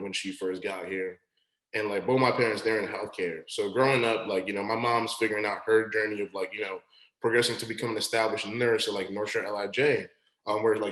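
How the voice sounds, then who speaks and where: A young man from Long Island whose first language is Igbo talks loosely and slangily as a podcast guest, his words strung together with "like" and "you know." His voice sits a bit low, and the room around him rings with echo. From Long Island, New York. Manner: relaxed, slangy, many "like" fillers. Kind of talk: casual podcast conversation. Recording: roomy echo.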